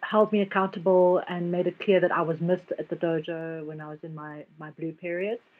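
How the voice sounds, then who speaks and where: In an ordinary speaking voice, a woman speaks at a moderate pace and fairly low pitch, with fairly even intonation and hardly any pauses. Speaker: karate instructor and podcast host. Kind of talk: casual interview chat. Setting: live stream video call. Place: home room. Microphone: earbuds.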